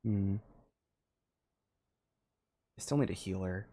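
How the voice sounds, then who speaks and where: A man's voice: deep voice, slow, warm tone. A man giving casual live commentary as a game streamer, thinking aloud in a hesitant way.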